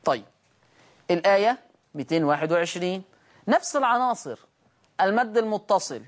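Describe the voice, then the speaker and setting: A man teaching Quran recitation rules on a TV program. He asks rhetorical questions, answers them, and chants the example words slowly. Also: high voice. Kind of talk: televised recitation lesson.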